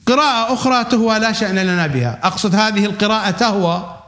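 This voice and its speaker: A man giving a religious lecture, emphatic, repeating key phrases and reciting quoted verses slowly. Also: sits high, fairly bright tone. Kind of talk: religious lecture on Quranic readings.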